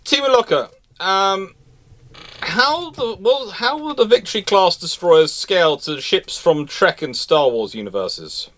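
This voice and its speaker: Man, slightly high pitch, emphatic, repetitive phrasing, casual live commentary, host. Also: very animated, measured pace, fairly bright tone. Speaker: host of a naval history question show.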